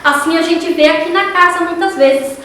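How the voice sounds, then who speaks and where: A woman's voice: very high-pitched, normal speed, slight background noise. A woman giving a spiritist lecture, animatedly retelling a story. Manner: animated retelling with acted quotes. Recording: echoey hall from far off.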